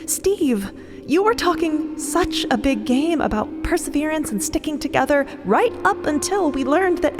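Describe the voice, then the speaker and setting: A woman acting an anxious, high-voiced young woman. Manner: halting, pleading, emphatic. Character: anxious, conscientious young woman, a people-pleaser finding nerve. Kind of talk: audio drama dialogue.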